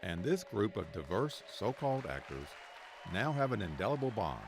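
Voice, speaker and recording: A man's voice: fairly low pitch, sing-song, moderate pace, crowd noise, noisy background. A man reading scripted narration as the reporter of a feature story.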